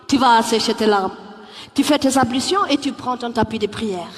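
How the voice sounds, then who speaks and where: A woman's voice: fairly high pitch, moderate pace, soft background music, close to an everyday voice. A woman voicing a bossy, blunt older Senegalese auntie with a Senegalese French accent, scolding emphatically on a live comedy stage. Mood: coaxing. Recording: echoey hall, faint crowd noise.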